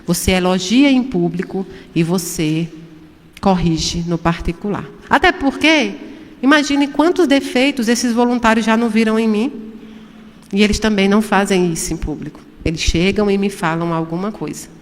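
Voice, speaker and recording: A woman's voice: mid-range voice, normal speed, in a large hall. A woman, a spiritist medium giving a chatty lecture to an audience, telling stories and asking rhetorical questions. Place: spiritist center hall.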